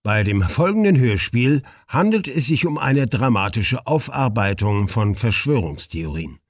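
A man's voice: mid-range voice, sing-song, unhurried, no echo, clean studio sound. A man reading the opening announcement of a radio play in a formal tone. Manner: formal reading with a mock slip.

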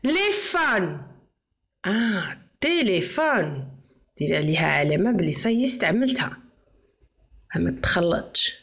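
A woman's voice: lowish voice, very animated, fast, vocal fry, long pauses, fairly bright tone. A woman with an Algerian accent teaching French handwriting, dictating letters and syllables one by one and switching into Algerian Arabic for instructions. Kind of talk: slow, deliberate French handwriting lesson.

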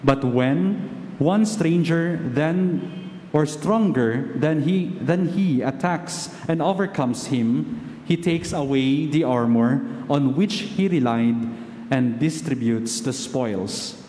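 A middle-aged man reading scripture solemnly and deliberately as a priest, slightly muffled by a mask, with cathedral echo. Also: a little high, warm tone. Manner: measured, deliberate phrasing. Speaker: priest reading the Gospel at Mass. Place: large basilica sanctuary. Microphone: gooseneck lectern microphone. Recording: cathedral echo, long reverb, faint noise.

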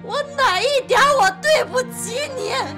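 An actress playing a wronged wife in her thirties in a TV drama, shrill, bitter and accusing. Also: expressive, moderate pace, music in the background. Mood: furious, wounded. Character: wronged wife, fierce and heartbroken. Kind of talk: TV drama acting.

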